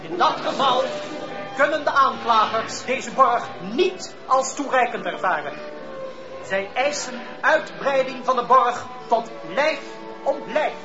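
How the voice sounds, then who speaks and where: An actor playing a formal, insistent prosecutor for the clergy in a radio play. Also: male voice, very high voice, lively intonation, slow pace, muffled recording, music in the background, heavily acted.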